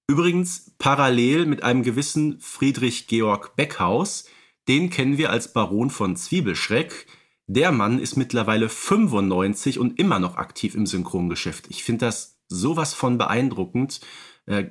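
A man in his thirties co-hosting a podcast about radio plays, chatting with enthusiasm and many fillers. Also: mid-range voice. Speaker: podcast co-host.

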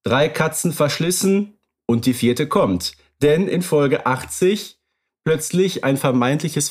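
Wry male podcast co-host. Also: on the high side. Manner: wry, lively storytelling with fillers. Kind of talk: casual chat about radio plays.

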